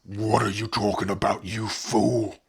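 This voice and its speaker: A man's voice: fairly low pitch, little pitch movement, unhurried, vocal fry, breathy edge, full character voice. A man voicing a treacherous, cowardly orc chief in a fantasy audio roleplay, barking and imperious. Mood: indignant.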